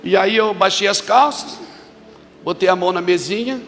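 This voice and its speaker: A man preaching at a church conference, telling a story and then shouting emphatic declarations to the congregation. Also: high-pitched, moderate pace, noisy background. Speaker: pastor. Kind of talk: sermon with storytelling. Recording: long reverb of a large hall with music.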